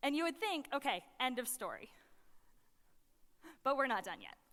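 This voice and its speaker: A woman projects her voice in a raised, animated tone. Her pitch is high and her tone bright and sharp. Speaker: pastor. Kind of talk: sermon.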